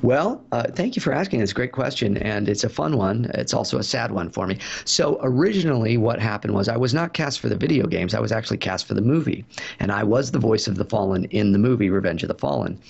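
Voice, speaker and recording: Lower-pitched man with a gravelly edge, chatty storyteller with lots of fillers, heard over a dull lo-fi line. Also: lively intonation, fast talker, a little mellow. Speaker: voice actor guest. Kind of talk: casual interview answers.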